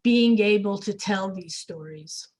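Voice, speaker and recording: Woman hosting a relaxed group chat, medium pitch, tossing questions to the panel. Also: unhurried. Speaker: panel moderator. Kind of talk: casual discussion hosting.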